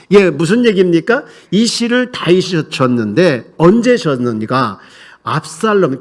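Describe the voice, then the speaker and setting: A male pastor preaching a sermon in a church sanctuary in a conversational way, leading the congregation in reading aloud together. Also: sits high.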